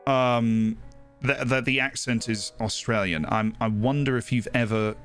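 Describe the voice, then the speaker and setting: Bright-voiced man. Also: mid-range voice, steady tone, measured pace, clean tone, faint music behind. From Florida, United States. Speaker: live streamer. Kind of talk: casual chat answering viewers' comments.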